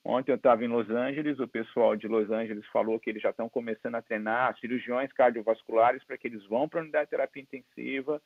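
A man with a Brazilian Portuguese accent lectures conversationally as a guest expert. His mid-pitched voice has plenty of gravelly fry, and the online recording is dry and a little dull, with slightly lo-fi sound. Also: dry recording. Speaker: guest medical expert and presenter.

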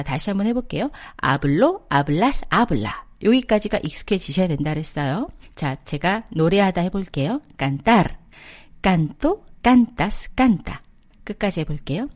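A woman teaching a language lesson, patiently drilling verb forms and repeating them slowly for listeners. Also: mid-range voice, darkish tone.

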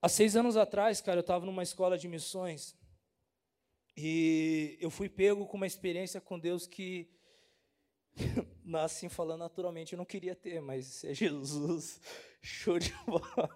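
A man's voice: high voice, steady tone, a little slow, a little mellow. A young man from Brazil, a pastor giving a casual, slangy youth sermon and often asking the crowd if they understand.

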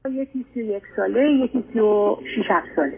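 A woman's voice: mid-range voice, creaky, a crowd in the background. An older middle-aged woman with an Iranian Persian accent, hesitant and politely deferential, telling her personal story as a caller on an advice line. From Iran. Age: 50s or older. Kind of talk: personal account on a radio advice call. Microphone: phone call to a radio show. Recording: tinny narrow-band phone line.

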